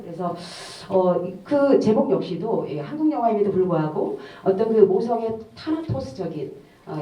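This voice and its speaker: A middle-aged woman speaks as a conference discussant, formal and measured, pausing often on soft fillers. Her voice is picked up from a distance in a reverberant hall. The sound is slightly dull and muffled. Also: medium pitch. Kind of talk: academic panel discussion.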